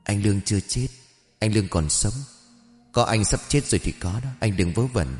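A man's voice: lowish voice, moderate pace, darkish tone, echoey room, big-room sound, faint music behind, lightly acted. A man voicing a possessed young village woman, speaking in an eerie, menacing voice that prophesies doom.

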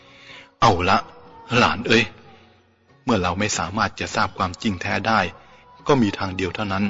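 A man's voice: fairly low pitch, a bit bright, in a large hall, natural voice. A man voicing an anxious, protective elderly Brahmin uncle in an audiobook reading. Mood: firm. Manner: slow, shaky, then firm and earnest. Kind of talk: audiobook character voice. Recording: dull lo-fi with faint music.

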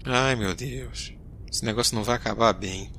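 An actor playing a jumpy space explorer who reacts with comic, expressive alarm. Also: male voice, on the low side, moderate pace, a little hiss or hum. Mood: spooked.

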